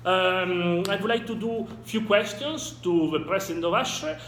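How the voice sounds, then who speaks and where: A male interviewer with a somewhat high voice puts questions in non-native English. He halts often and searches for his words. The sound is echoey, with faint noise in the background. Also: a bit bright. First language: not English. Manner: hesitant, halting, searching for words. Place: echoey indoor room at a conference.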